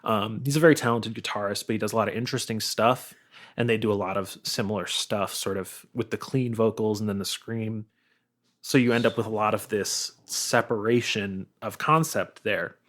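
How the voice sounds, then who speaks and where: A man's voice: lowish voice, steady tone, moderate pace, a bit bright. A man speaking as a podcast guest in a casual music discussion.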